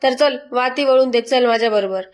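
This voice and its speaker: A woman's voice: a little high, normal speed, close to an everyday voice. A woman voicing a stern, suspicious older mother-in-law. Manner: probing, commanding.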